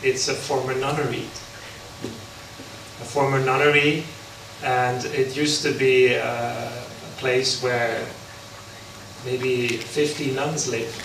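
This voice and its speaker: A man from the Netherlands, a Buddhist monk, giving an unprepared talk at an interfaith forum, halting with many pauses. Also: mid-range voice, flat delivery. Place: large hall. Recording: echoey hall from far off, background noise.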